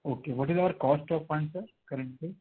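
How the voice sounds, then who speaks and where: A man's voice: fairly high pitch, brisk, husky. A man with an Indian accent asking deferential questions as a caller on an earnings call over the phone. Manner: deferential, often saying sir. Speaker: caller, investor or analyst. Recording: tinny narrowband phone line.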